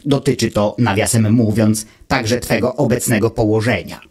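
A man playing a cold, lecturing husky machine friend. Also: on the low side, fairly even intonation, a little mellow. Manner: coldly reasoning, lecturing, measured. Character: calm, pedantic male mechanical friend lodged in an ear. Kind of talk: audiobook reading of a fairy tale.

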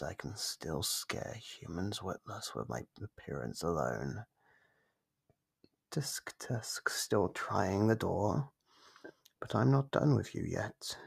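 An ancient monster acted out by a man murmurs low and slow in an ASMR horror roleplay. The voice is gravelly and breathy, often slipping into a whisper as it toys with its prey, playful and menacing. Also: a bit bright, heavily acted. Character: ancient monster under the bed, sinister, playful, taunting.

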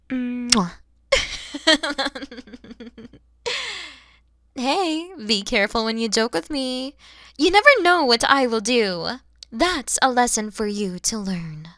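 Girl doing a gentle dragon mom for asmr, real slow n breathy, close dry sound. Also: on the high side, no echo, full character voice. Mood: playfully teasing. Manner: soft, breathy, soothing, often near-whispered. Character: kind motherly mature female dragon, tender and grateful. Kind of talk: ASMR roleplay.

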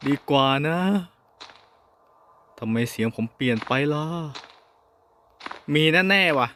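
A man's voice: medium pitch, expressive, slow pace, noisy background. A man hosting a horror game playthrough who chats politely to his viewers and yelps and swears when he gets startled. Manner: addresses viewers politely as ท่านผู้ชม. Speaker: gaming host. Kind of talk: horror game let's play commentary.

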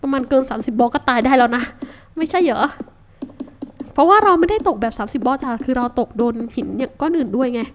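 A high-pitched woman gives casual running commentary as she plays a survival game. She chats to herself and breaks into sudden startled shouts. Faint hiss and clicking sit under her voice. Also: expressive, quick pace. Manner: chatty, talks to herself, soft polite particles, sudden startled shouts. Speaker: Minecraft let's-play host.

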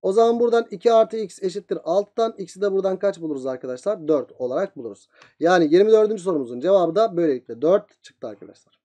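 Fast-talking male geometry teacher. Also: sits high, lively intonation, dark tone. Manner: very fast talker, voicing student questions himself. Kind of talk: geometry lesson.

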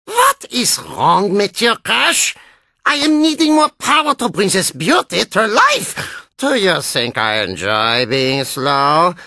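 A performer voicing an excitable, melodramatic male German racer who adores his car, in a video game, with a German accent and theatrical exclamations. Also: medium pitch, takes it slowly, dry recording, full character voice. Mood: pleading, exasperated. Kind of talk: video game character acting.

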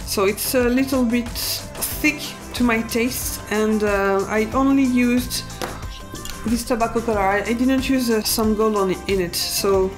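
High-voiced French-accented woman vlogger. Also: a little slow, music in the background. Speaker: illustrator and art channel host. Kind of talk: casual sketchbook tour vlog.

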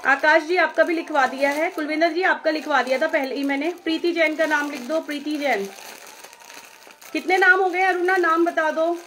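A woman hosting a live saree sale, chatting briskly with viewers, taking bookings and calling out their names, slipping English phrases into her Hindi. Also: sits high, steady tone, sharp tone, a little hiss or hum. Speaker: saree seller on live stream. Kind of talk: live-stream sales chat.

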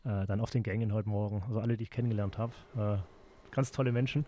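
A man's voice: fairly low pitch, steady tone, fast, warm tone, slight background noise. A man hosting a casual interview, speaking appreciatively and often in short fragments. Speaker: podcast host, interviewer.

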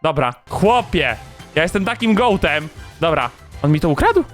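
A high-pitched man commenting on his game in an excited rush, repeating phrases and bursting into shouts. Faint music plays softly behind his voice. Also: moderate pace. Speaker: gaming YouTuber.

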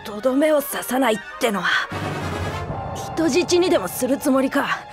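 A woman playing a brash, cocky, protective boy gunfighter in an anime-style audio drama, with rough, boyish, slangy speech. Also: high voice, very animated, normal speed, music in the background. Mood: tough, contemptuous.

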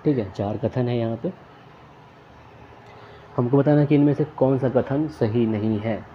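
A man's voice: mid-range voice, unhurried, narrow, tinny audio, slight background noise. Methodical man reading quiz answers. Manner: methodical, reads each question and options aloud then names the answer. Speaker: quiz tutor. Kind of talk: exam question walkthrough.

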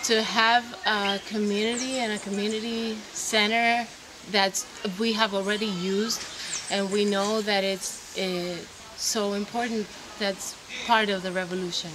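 A woman's voice: medium pitch, fairly even intonation, measured pace. A woman, earnestly explaining in an interview outdoors, with hesitations. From Puerto Rico. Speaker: farmer and volunteer. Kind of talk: interview answers. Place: outdoors by a bottle wall. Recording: outdoor camera audio with background noise.

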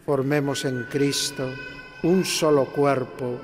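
A middle-aged man, a priest, reciting liturgical prayers in a slow, measured, solemn way at an altar microphone in a large cathedral. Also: mid-range voice, steady tone, soft background music. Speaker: priest celebrating Mass. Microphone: stand microphone at the altar. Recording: cathedral reverb, faint ambience.

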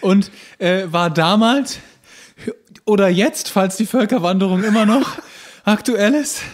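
Man putting on a nervous high-pitched schoolboy presenter. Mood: nervous, strained. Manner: halting, stilted recital. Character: nervous schoolboy stumbling through a class presentation. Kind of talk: comic school-report parody.

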